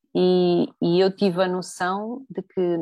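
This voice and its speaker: Her voice dark and mellow, a woman speaks with a dry, close sound and no echo. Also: quiet background. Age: 50s. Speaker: patient association representative. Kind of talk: casual chat.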